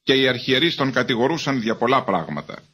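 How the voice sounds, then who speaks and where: A man giving a measured, formal reading of scripture as a Bible reader. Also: mid-range voice, expressive, bright, forceful tone, breathy edge.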